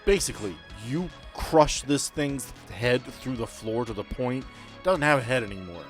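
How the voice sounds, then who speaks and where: A man with a mid-pitched voice runs a tabletop roleplaying game. He improvises the narration and walks players through each scene in loose, everyday language, with music playing under his voice. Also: animated, moderate pace. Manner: casual, swearing, talking players through the scene. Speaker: game master.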